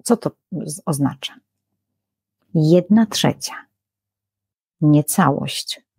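Lower-pitched woman explaining with animated energy. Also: drawn-out words, husky, no room sound. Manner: animated, frequent fillers, acts out quoted voices. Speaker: biblical scholar guest. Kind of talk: explanatory conversational talk.

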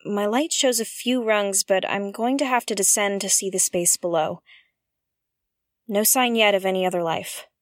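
An actress playing an earnest woman investigator who narrates her space mystery show in an articulate, musing, theatrical way with dramatic pauses. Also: mid-range voice, no echo, clean studio sound, natural voice. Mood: nervous, focused. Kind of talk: audio drama narration, like a spoken field log.

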